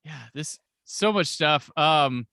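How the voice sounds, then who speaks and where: A man's voice: on the high side, expressive, slow, sharp tone, clean tone, no room sound, clean studio sound. A man hosting a podcast in casual chat, recapping an episode with enthusiasm and jokey asides into a podcast microphone. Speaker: podcast host.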